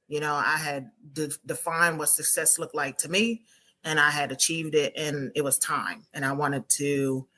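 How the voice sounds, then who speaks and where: A woman's voice: low-pitched, fairly even intonation, moderate pace, bright, forceful tone. A woman in her forties, a retired Army veteran, telling her story in an interview with many fillers and restarts. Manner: reflective storytelling with frequent fillers and laughs. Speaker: podcast guest, Army combat veteran and author. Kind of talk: conversational interview.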